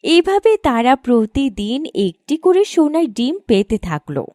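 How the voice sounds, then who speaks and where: A woman narrates a children's story from a script. Her voice is high and moves up and down in a lively way. The recording is very dry, with no room sound. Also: unhurried, no echo.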